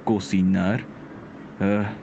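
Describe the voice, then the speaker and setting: A proud, deadpan cartoon hedgehog , played by a man, pompous about himself. He is low and slow, dully recorded. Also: creaky, slight background noise, exaggerated voice. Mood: self-assured. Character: deadpan, proud male hedgehog who cooks. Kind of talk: Spanish fan dub of cartoon. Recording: dull muffled sound, loud music behind.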